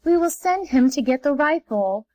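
A woman's voice: extremely high pitch, normal speed, a bit bright, no room sound, pitched above the performer's own voice. A woman voicing a chorus of brave little stingrays, eager and defiant, in a storybook reading.

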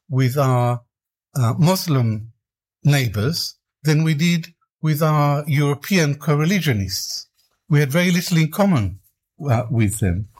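Older man, measured and deliberate. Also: on the high side. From Iraq. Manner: measured and deliberate, building emphatic lists. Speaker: author. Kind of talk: reflective interview answers.

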